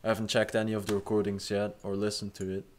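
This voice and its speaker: A young man with a slightly low voice hosts an unscripted chat. He rambles loosely, stacks up fillers and restarts, and swears in passing. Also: monotone, fast talker, slight background noise. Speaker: host. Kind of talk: improvised casual commentary.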